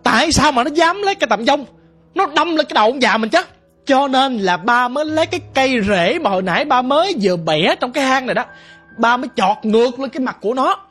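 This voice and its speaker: A man's voice: very high-pitched, lively intonation, fast talker, fairly bright tone, breathy edge, faint music behind. A man telling a ghost story in a dramatic, vivid way.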